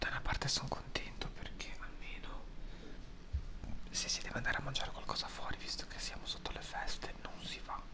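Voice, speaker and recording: Someone whispers at a fairly quick pace, broken by long, frequent pauses. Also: man. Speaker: ASMR creator. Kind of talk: ASMR whispering, casual talk to camera. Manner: whispered. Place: kitchen. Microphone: lapel.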